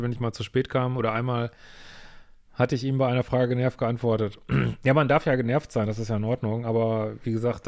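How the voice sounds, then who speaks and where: A man's voice: mid-range voice, darkish tone. Male therapist host, reads a viewer letter aloud, cuts in with dry sarcasm and blunt slang. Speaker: couples therapist. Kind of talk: reading a viewer's email aloud with commentary.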